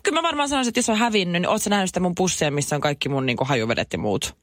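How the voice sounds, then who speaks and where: A woman's voice: on the low side, lively intonation, dry recording, clean studio sound. A young woman co-hosting a morning radio show. She reads news items and trades playful comebacks. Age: young adult. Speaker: radio co-host.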